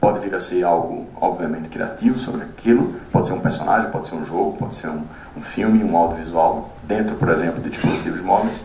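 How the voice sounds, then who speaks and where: A man with a fairly low voice talks at a fairly quick pace, with audible room echo and noticeable background noise. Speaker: tech investment executive. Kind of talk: conference presentation.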